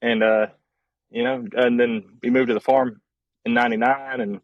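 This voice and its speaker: A young man from Costa Rica raised in Georgia, chatting in a casual interview, relaxed and rambling with many "uh"s. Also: medium pitch, moderate pace, gravelly, no echo, dull audio. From born in Costa Rica, raised in Georgia, USA. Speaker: guest, trick shooter.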